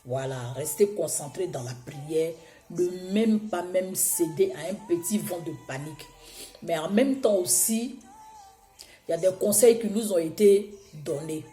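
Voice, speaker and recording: Hoarse woman preaching in an echoey room. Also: lowish voice, unhurried, warm tone, soft background music. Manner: exhorting, repetitive, emphatic. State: hoarse from a cold. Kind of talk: sermon.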